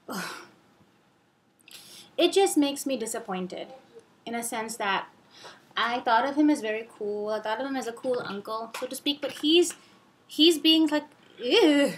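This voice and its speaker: Higher-voiced young woman rambling over background noise. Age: young adult. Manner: animated, rambling, acts out dialogue. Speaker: vlogger telling a personal story. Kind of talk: casual storytime monologue.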